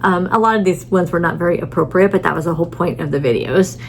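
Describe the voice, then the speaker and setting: Tired, rambling middle-aged woman, gravelly. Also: lowish voice, quick pace, slight background noise. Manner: rambling, lots of fillers and restarts. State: tired and stuffy. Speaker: vlogger. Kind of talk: casual chatty vlog. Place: hotel room.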